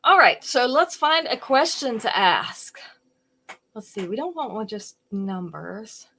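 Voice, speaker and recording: A woman's voice: a little high, sing-song, slow pace, sharp tone. Chatty woman hosting a live jewelry sale. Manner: chatty, greets viewers by name. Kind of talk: casual live-stream sales chat.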